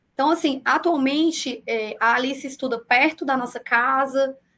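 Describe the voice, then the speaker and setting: Pitch shifts in an ordinary way. The delivery is fairly slow. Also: woman. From southern Brazil, Rio Grande do Sul (Tapejara). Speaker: public defender. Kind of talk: interview. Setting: video call.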